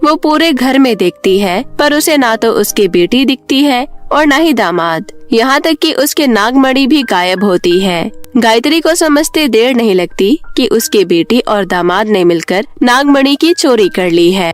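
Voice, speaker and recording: High-voiced woman narrating a storybook. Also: expressive, measured pace, hardly any pauses, soft background music.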